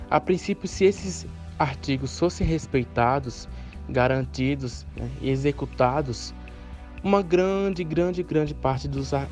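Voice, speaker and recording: Interviewee, male, Brazilian, medium pitch, earnest explainer, light music bed. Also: a little mellow.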